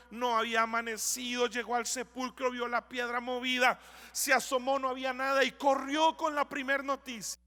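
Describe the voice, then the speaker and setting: A man preaching a language sermon as a pastor, reading scripture slowly and building to emphatic declarations. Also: very high voice, pushed and bright. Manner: reads scripture slowly, then preaches with rising intensity. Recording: long church hall reverb.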